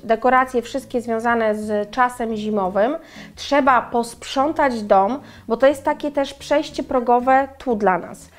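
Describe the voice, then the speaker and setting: Middle-aged woman chatting to the camera, animated, a bit high voice, lapel mic in a bright room. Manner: animated, gesturing, addresses viewers directly. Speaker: co-host. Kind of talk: casual chat. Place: bright room with flowers and windows.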